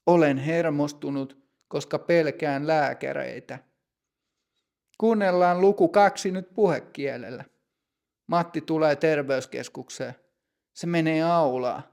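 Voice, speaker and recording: A man reads a simple learner's story aloud in a slow, clear, deliberate way. His voice sits a little high and carries a gravelly fry. The delivery is plain scripted narration for students. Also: darkish tone. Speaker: language teacher narrator.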